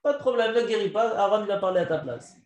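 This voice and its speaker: A man's voice: sits high, lively intonation, quick pace, a little mellow, pitched above the performer's own voice. Storybook God, male, firm and patient, a man telling the tale puts him on, tenor register, echoey room. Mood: impatient.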